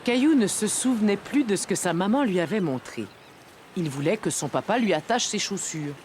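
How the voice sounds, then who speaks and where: A woman narrating a children's story in a gentle, explanatory way. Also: medium pitch, lively intonation, fairly quick, slight background noise.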